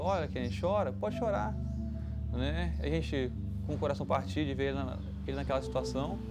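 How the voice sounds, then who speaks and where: A man giving a halting, emotional personal testimony about a frightening family event. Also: mid-range voice. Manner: halting, emotional retelling with restarts. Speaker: testimony giver. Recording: music underneath.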